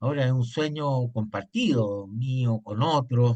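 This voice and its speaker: A man speaks at a very slow pace with a Chilean accent. His tone is dark and mellow and somewhat breathy. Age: 70s. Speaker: retired ergonomics professional, society founder. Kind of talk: interview.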